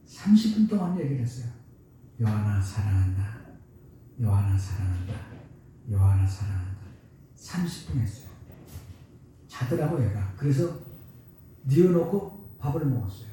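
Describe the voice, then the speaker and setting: A man in his seventies preaching a sermon as pastor, telling homely stories and rising suddenly to loud emphasis. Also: a little high, a little hiss or hum. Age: 70s. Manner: folksy storytelling with sudden loud rises. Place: church sanctuary. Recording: echoey church hall, mic far off.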